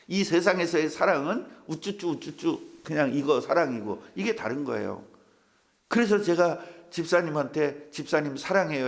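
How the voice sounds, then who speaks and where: Older man, pastor, church sermon, gravelly voice, swooping pitch, funny stories. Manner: humorous storytelling, acts out quoted voices.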